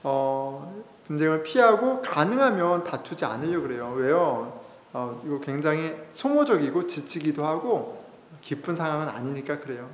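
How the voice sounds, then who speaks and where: A man's voice: on the high side, expressive, normal speed. A male pastor giving a sermon in a church, telling stories in a conversational way with fillers and chuckles. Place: church sanctuary. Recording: echoey hall reverb.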